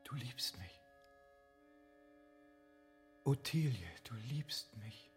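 A man's voice: medium pitch, animated, extremely slow, soft background music. An actor playing a passionate, overwhelmed nobleman in love in a literary radio drama, with breathless, awestruck delivery. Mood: enraptured.

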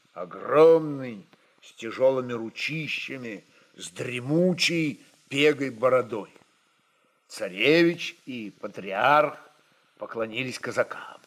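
A man giving a dramatic literary narration of a historical story in an expressive, measured way. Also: medium pitch.

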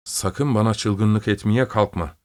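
A man's voice: on the low side, unhurried, darkish tone, dry recording, studio quality, close to an everyday voice. A man voicing a pompous middle-aged house steward in an audiobook, blustering and barking orders. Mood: gruff. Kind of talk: audiobook character voice.

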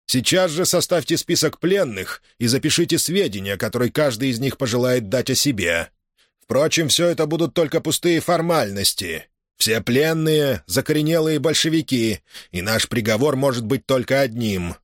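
A man's voice: medium pitch, lively intonation, moderate pace, no echo, studio quality, voice pushed up, close to an everyday voice. A man voicing a cruel, furious White Army general who barks and screams at prisoners. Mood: imperious. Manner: harsh, barking, furious interrogation.

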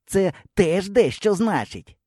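A man's voice: high-pitched, sing-song, slow pace, warm tone, breathy edge, no room sound, clean studio sound, voice pushed up, exaggerated voice. A man voicing a cocky, sly village boy in an audiobook. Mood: sly, boastful. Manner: knowing, sly. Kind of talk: audiobook character voice.

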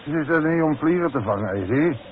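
A man acting a matter-of-fact foreman in an old radio play. He is blunt and plain-spoken, his voice a little high, on a dull recording with faint noise. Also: expressive, brisk, natural voice. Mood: blunt, patient. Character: matter-of-fact working foreman on a demolition job. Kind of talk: 1960s Dutch radio drama acting. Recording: muffled, faintly noisy 1960s radio recording.

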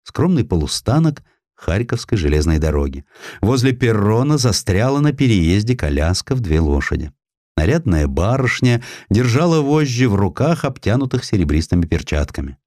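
A man reading a scripted historical narrative as an audiobook, in an expressive, dramatized storytelling manner. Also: on the low side, moderate pace, dry recording, studio quality.

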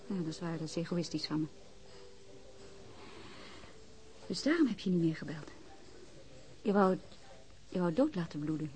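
A woman's voice: fairly low pitch, animated, a little fast, slight background noise, close to an everyday voice, rough recording. An actress in her twenties playing a hurt, reproachful young woman who pleads with an older lover in a radio drama. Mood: bitter. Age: 20s. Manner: emotional, reproachful. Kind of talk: Dutch radio drama acting. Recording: radio play with soft music underneath.

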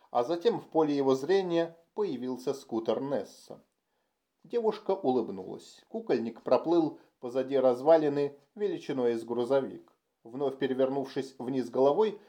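A male audiobook narrator tells the story in a steady, measured way. His voice is warm and mellow, with a dark tone. His pitch sits in the ordinary middle range for a man. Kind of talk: scripted narration.

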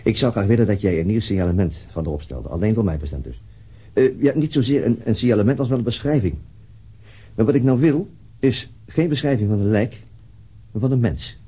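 A weary, dogged police detective in a radio play. His voice is very husky and low, with a dark, muted tone. He speaks tersely and keeps himself subdued. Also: animated, brisk. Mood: matter-of-fact. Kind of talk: radio drama acting.

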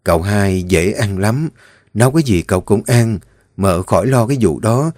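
A man voicing an older female household servant in a story, with a soft, slow manner. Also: on the low side, animated, dry recording, clean studio sound. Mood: chatty.

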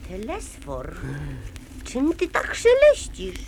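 High-voiced polite little boy dragon. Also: wildly swooping pitch, slow pace, noisy background, heavily acted. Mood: inquisitive. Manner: childlike, polite, earnest. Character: shy, polite, fair-minded little male dragon, childlike. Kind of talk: children's puppet show on record. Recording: clear music behind the voice.

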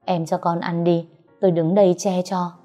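A woman voicing a tender young man, a lover come home, speaking softly and lovingly in a storybook reading. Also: on the low side, flat delivery, moderate pace, lightly acted. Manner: soft, loving and gentle. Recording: slightly muffled, soft background music.

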